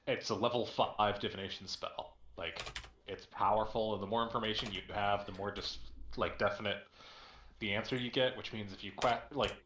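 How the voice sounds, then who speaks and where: A man playing in an online tabletop game, talking quickly and casually about rules and plans. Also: fairly low pitch, fairly even intonation, fairly bright tone. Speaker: player. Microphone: computer mic on a voice call. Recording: echoey room, faint keyboard noise.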